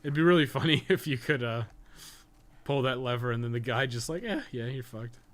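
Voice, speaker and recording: A man's voice: medium pitch, fairly quick, a bit bright. A man rambling casually on a gaming live stream, swearing often as he talks. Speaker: gaming streamer and podcast co-host. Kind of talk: casual live-stream chat while playing.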